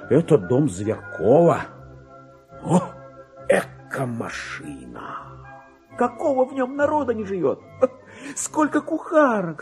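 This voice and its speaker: In full character voice, an actor plays an excitable, self-important government clerk of low rank, reading out his diary as a dramatic radio monologue. Excited and indignant, he huskily swings between hushed muttering and shrill rapture, punctuated by exclamations.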